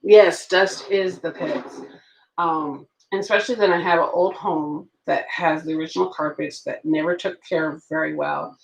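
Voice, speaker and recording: A woman's voice: low voice, fairly even intonation, normal speed, creaky, roomy sound, rough recording. A woman in her late thirties chatting loosely with her viewers while journaling at home, reacting to their comments as she goes. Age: late 30s. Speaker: planner vlogger. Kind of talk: rambling live chat while journaling.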